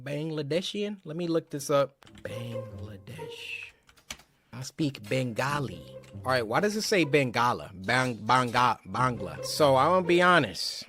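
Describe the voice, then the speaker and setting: A man's voice: medium pitch, very animated, a little slow, pushed and bright, faint music behind. A man hosting horror video reactions, chatting casually and playfully in slang. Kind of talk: casual chat to viewers.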